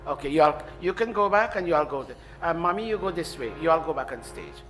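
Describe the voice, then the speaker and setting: A man with a high voice leads a temple ceremony and directs the people gathered there. He gives his instructions live and mixes in jokes and apologetic asides, with faint music playing behind him. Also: animated, fast talker. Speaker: temple priest leading a ceremony.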